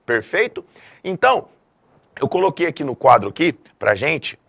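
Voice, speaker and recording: A middle-aged man from Brazil giving a math video lesson, emphatic and lively, often checking in with the students. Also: on the high side, normal speed, gravelly. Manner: lively, emphatic classroom delivery with frequent checks like "tá?". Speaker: math teacher.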